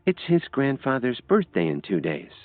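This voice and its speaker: A man voicing a shy, anxious young woman in an audiobook, talking softly and hesitantly. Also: mid-range voice, wildly swooping pitch, normal speed, no echo, soft background music, voice pushed up. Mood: worried. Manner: soft, hesitant and worried. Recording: dry, tinny phone-like sound.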